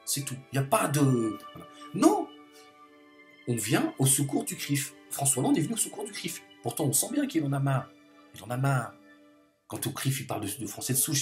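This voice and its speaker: A man delivering an impassioned political monologue to camera, hammering his points by repeating phrases over and over. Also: mid-range voice. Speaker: video commentator.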